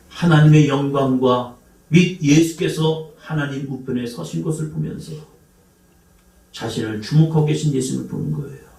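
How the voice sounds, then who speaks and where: Preaching in a church sanctuary, a male pastor whose voice is on the high side and a bit mellow poses questions to the congregation and performs the cries and sighs of quoted voices. The hall is echoey, with the mic set at some distance.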